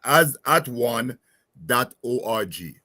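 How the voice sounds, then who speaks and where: Halting man with a bright, forceful voice. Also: medium pitch, lively intonation, no echo, studio quality. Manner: hesitant, halting, repeats words. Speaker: guest marriage expert. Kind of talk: casual spoken remarks on a panel.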